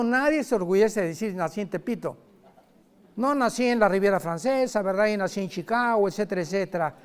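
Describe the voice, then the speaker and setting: A man preaching a sermon in a lively, conversational way, with sudden loud emphasis and quick asides. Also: sits high, clean tone.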